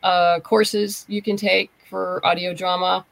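A woman's voice: lowish voice, little pitch movement, slow, vocal fry, dry recording. A woman speaking casually as a guest in a panel conversation about her work. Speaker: guest, writer. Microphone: video call.

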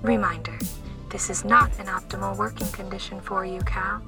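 An actress voicing a female AI therapy assistant that is booting up, speaking in polite, measured, machine-like phrases in an audio drama. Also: mid-range voice, flat delivery, music in the background, natural voice. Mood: composed.

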